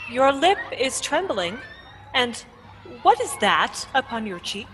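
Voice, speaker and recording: A woman voicing a solemn guiding spirit in a radio play, measured and formal, in a long reverb. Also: sits high, big pitch swings, fairly bright tone, heavily acted. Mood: gently probing. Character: Ghost of Christmas Past, solemn guiding spirit. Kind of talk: dramatic radio play acting. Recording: long cavernous reverb, faint background noise.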